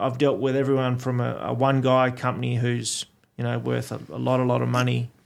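The voice has an Australian accent. It moves at a moderate pace. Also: man. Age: 30s. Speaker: security business manager. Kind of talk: podcast interview.

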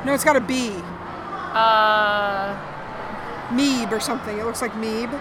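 Amid audible room echo and noticeable background noise, a woman with a fairly high pitch speaks at a fairly slow pace, her intonation fairly even and marked by long, frequent pauses. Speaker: podcast co-host. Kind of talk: casual chat. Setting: convention floor with crowd.

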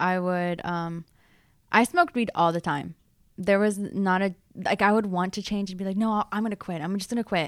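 A woman has an unremarkable speaking voice at medium pitch, with fairly even intonation. She talks at a fairly quick pace in a very clean recording with a silent background. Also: dry, close sound with no echo. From US Midwest (Indiana area), born in Nicaragua. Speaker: guest sharing faith testimony. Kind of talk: testimony.

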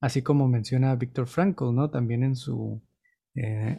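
A somewhat breathy voice with a dark, mellow tone comes through on a very clean recording with a silent background. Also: man. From Mexico, Baja California. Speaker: podcast host. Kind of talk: interview conversation.

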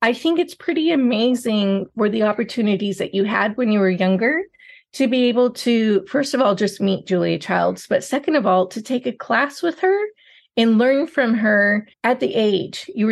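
With an American accent and a plain, everyday voice, a woman speaks at a moderate pace, fairly high in pitch and with lively intonation, against a quiet background. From central coast of California. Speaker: podcast host. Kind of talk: casual interview; scripted outro.

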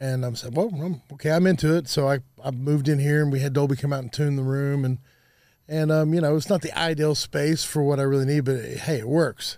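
With a Texan accent, a man speaks at a fairly high pitch and fairly quick pace, his tone dark and mellow and his intonation fairly even, on a very clean recording with a silent background. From Texas. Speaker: music producer and mixing engineer. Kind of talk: casual chat. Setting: recording studio.

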